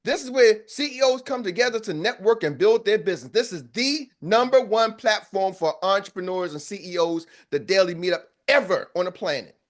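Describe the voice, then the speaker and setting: This high-pitched American man runs a group call as a sales coach, giving a pep talk at a fairly quick clip with few pauses. He preaches with fire, repeating key points and keeping the energy high to push his audience.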